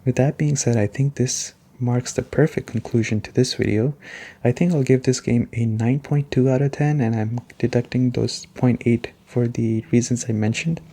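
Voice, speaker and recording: A soft-spoken man hosting a gaming review as a gentle, unhurried, casual ASMR chat. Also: medium pitch, steady tone. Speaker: gaming reviewer and video host.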